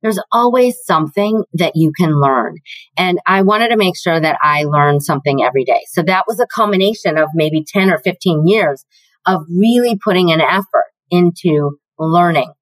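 A middle-aged woman with a deeper voice, answering interview questions in a confident, measured, emphatic way. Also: dry recording, rough recording. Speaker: guest, learning and development executive.

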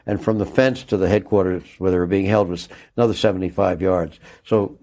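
An older man recalling a day he covered on air, speaking haltingly with many restarts and a moved, choked-up tone. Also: deep voice, fairly even intonation, a little mellow. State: moved, choking up. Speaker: interviewee recalling a broadcast. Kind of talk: reflective interview recollection.

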